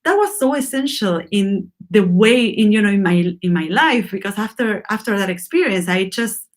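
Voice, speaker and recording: A woman's voice: medium pitch, lively intonation, normal speed. A woman from Argentina teaching a lettering class, speaking off the cuff with many ums and restarts. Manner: unscripted, many fillers and restarts. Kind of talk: class lecture.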